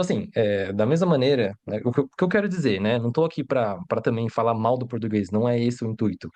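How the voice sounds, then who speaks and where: A man's voice: medium pitch, dark tone. A man teaching in a casual live stream, chatty and reassuring, who keeps checking in with his viewers and answers their questions as he goes. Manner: chatty, asks "né?" and "tá?" constantly. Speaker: Mandarin teacher.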